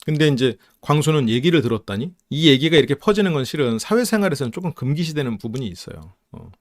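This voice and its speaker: A man hosting a psychology channel, giving casual commentary on a dating show and acting out quoted lines in quick bursts. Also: fairly high pitch, big pitch swings.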